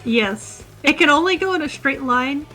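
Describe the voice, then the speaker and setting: A woman's voice: high voice, lively intonation, moderate pace, sharp tone, faint music behind. Patient woman coaching a gamer. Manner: patient, instructive, laughs often. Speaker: experienced player coaching a newcomer. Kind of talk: casual game stream chat.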